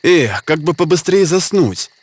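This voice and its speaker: An actor voicing a brave young hunter hero in a cartoon, speaking earnestly and calling out often. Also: male voice, on the high side, sing-song, unhurried, darkish tone. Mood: bold. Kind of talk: cartoon voice acting. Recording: music underneath.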